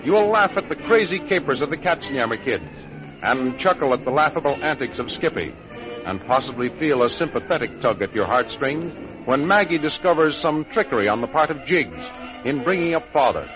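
A male announcer narrating and reading sponsor copy in smooth, measured 1930s radio announcer style. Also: mid-range voice, animated. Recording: dull old radio recording with music.

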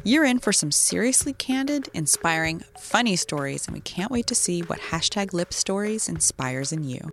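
A woman's voice: lowish voice, lively intonation, moderate pace, faint music behind. Bubbly woman hosting a podcast intro. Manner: bubbly, promotional. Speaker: podcast host.

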